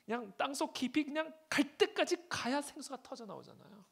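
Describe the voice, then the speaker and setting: A middle-aged man preaching a sermon as pastor, swinging from hushed asides to shouted scripture readings. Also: very high-pitched, animated, a little fast, vocal fry.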